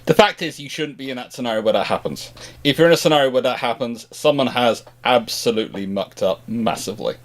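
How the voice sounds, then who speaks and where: A man's voice: mid-range voice, quick pace. Man reasoning aloud in casual discussion. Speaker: history show host answering questions. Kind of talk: casual speculative discussion, explaining.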